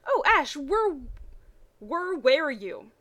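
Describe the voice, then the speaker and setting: A woman voicing an eager, chatty teenage girl, raising her voice with excitement. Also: sits high, slow, voice pushed up, heavily acted. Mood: excited. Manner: raised, excited delivery.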